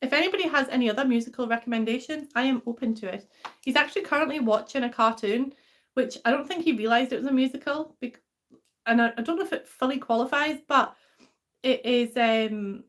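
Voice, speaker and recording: Chatty woman with a mixed English-Scottish accent. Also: a little high. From England. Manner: chatty, rambling, many fillers and restarts. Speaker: livestream host. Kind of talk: casual live stream chat reading comments.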